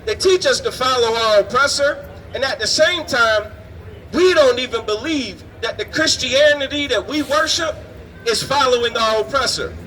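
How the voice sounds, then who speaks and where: A man's voice: very high-pitched, animated, normal speed, sharp tone, rough recording. A man street preaching in an emphatic, indignant way, often punctuating his phrases with "man" and "you understand". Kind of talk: fiery street sermon. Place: outdoors on a city street. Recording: outdoor street noise, passing vehicles.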